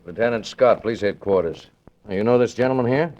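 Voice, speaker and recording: A man playing a brisk, formal police lieutenant in a vintage radio drama, speaking in a clipped official way. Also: on the low side, darkish tone, muffled recording, lightly acted. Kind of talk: 1940s radio acting.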